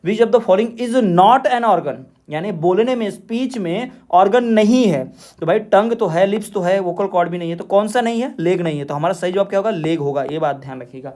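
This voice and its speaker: A man with a fairly high voice leads an exam-prep lesson as a teacher. He reads each English question slowly, then explains it and says the answer several times so it sticks. The pace is steady and instructive, like a coaching class tutor. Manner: repeats questions and answers to drill them.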